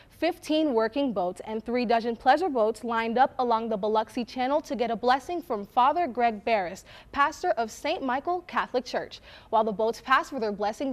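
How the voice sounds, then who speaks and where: A woman reading scripted local news as an anchor at a studio desk. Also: fairly high pitch.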